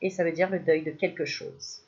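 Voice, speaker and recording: Une femme qui tire des cartes de spiritualité, bavarde et joueuse, qui rit souvent et lance parfois des chants pour rire. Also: female voice, low-pitched, steady tone, normal speed, a little mellow, highs cut off. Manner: chatty, playful, laughs often, bursts into mock singing. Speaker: spiritual card reader. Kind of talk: casual card-reading video.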